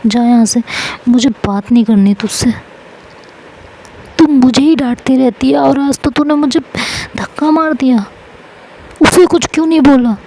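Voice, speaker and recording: A woman voicing an angry, quick-tempered schoolgirl who throws insults and threats in a quarrel. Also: high-pitched, dark tone, a little hiss or hum, voice pushed up. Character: angry hot-headed schoolgirl Ishu.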